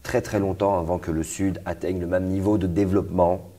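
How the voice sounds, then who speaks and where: A man's voice: sits low, level tone, fairly quick, mellow. A young man hosting an interview, talking casually with fillers and restarts. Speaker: host.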